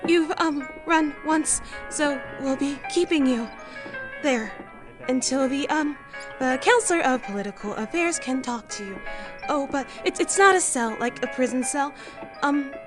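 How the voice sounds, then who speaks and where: Woman playing a high-voiced, flustered embassy official. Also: a little slow, music in the background. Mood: flustered, apologetic. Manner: hesitant, stammering, fussy. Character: flustered, apologetic, nervous female embassy official. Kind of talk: audio drama acting.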